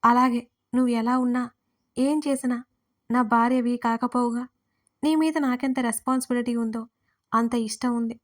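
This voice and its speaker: Give me a stern, serious husband in an audio story, voiced by a woman in a higher, even voice. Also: moderate pace, pauses often, lightly acted. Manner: stern, grave. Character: serious protective husband, adult man.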